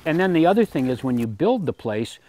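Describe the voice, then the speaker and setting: A man's voice: fairly high pitch, fairly quick. Rambling man in his eighties. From United States. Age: 80s. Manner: relaxed, rambling, repeats words while thinking. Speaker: homesteader giving a tour. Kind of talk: casual tour talk. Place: outdoor garden and home pantry.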